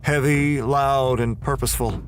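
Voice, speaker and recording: A man's voice: mid-range voice, steady tone, unhurried. A man performing scripted, dramatic first-person narration for a horror audio drama.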